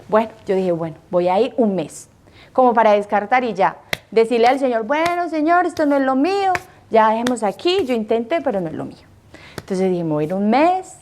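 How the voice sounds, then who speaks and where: A woman's voice: medium pitch, darkish tone. A woman in her thirties from Colombia, a nun telling her personal vocation testimony with earnest emotion, acting out her own past words.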